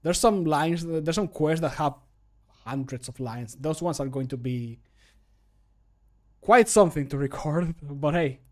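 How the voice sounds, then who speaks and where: Jokey male streamer, slightly high voice. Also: a little slow. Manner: jokey, self-mocking. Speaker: streamer and mod voice actor. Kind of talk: casual livestream chat while recording. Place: small home room, indoors.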